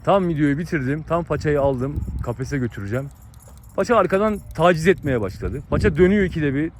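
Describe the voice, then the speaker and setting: Man shouting commands at fighting dogs. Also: a little high, fairly quick. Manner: urgent, repeated commands to calm dogs. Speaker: dog breeder vlogger. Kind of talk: live commentary while separating fighting dogs. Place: outdoors in a dog yard. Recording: outdoor recording with dog noise.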